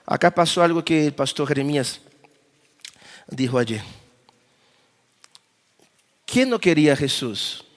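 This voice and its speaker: Man, pastor, high voice, dramatic pauses, sermon in a reverberant church hall. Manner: dramatic pauses, acts out scripture dialogue. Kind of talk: conference sermon. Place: church auditorium.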